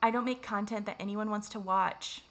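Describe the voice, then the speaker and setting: A woman's voice: mid-range voice, fairly even intonation, normal speed, fairly bright tone. A woman vlogger speaking to camera in a rambling, self-critical confessional monologue, swearing often and restarting her sentences.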